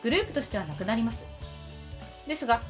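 A woman plays a middle-aged female district chief with authority and composure. Her voice sits fairly high and moves with lively intonation, politely commanding in radio drama style, faint music behind. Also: very fast. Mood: composed, official. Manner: formal, commanding, crisp politeness. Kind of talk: amateur web radio drama acting.

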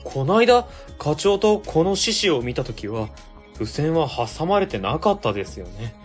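An actor playing an excitable young male colleague who gets easily flustered, in an amateur web radio drama. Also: on the high side, faint music behind. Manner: flustered, quick questions.

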